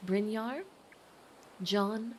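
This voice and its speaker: A woman's voice: mid-range voice, fairly even intonation, extremely slow, a little hiss or hum. A woman, an ASMR roleplay creator, giving a channel outro and thanking her supporters.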